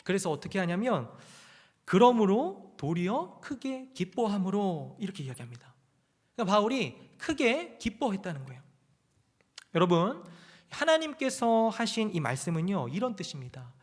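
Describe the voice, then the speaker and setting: Impassioned high-voiced male preacher. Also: sing-song, moderate pace. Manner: impassioned, swinging from loud pleading to hushed low asides. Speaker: pastor. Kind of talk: sermon at a Friday prayer meeting. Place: church sanctuary.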